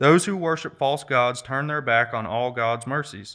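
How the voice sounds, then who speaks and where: In a Kentucky accent, a man speaks at a moderate pace with a bright, sharp tone and ordinary pitch variation. The background is quiet. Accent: Southern US, Kentucky. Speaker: visiting preacher. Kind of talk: sermon. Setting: church. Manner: loud.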